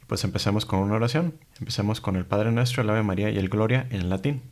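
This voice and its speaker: A man giving a calm, measured lesson on Catholic prayer, reciting Latin prayers slowly and evenly. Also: on the low side. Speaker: catholic teacher.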